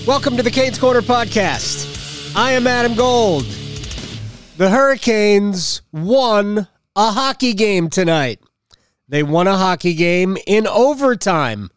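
A man with a fairly high, clean and smooth voice hosts a sports podcast. He talks through the game casually, stretching words and pausing for emphasis. The sound is close and dry. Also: animated, no echo, soft background music.

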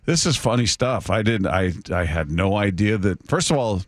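A man's voice: on the low side, animated, normal speed, dry recording. A man with an American accent hosting a sports talk radio show, chatting casually with frequent chuckles and restarts. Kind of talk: casual chat.

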